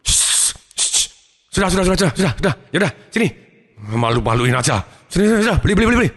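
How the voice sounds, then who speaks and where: A man voicing a weary, embarrassed father who hushes his child with repeated soothing words. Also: sits high, very animated, racing, pitched above the performer's own voice. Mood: placating. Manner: repetitive soothing hushing.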